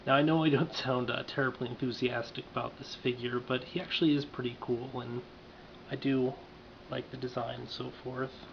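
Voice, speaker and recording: Reviewing a toy figure in a casual monologue, the same kind of gravelly, mid-pitched voice speaks at normal speed with fairly even intonation and dry humor aimed at himself. A faint hiss runs beneath the dull, lo-fi audio.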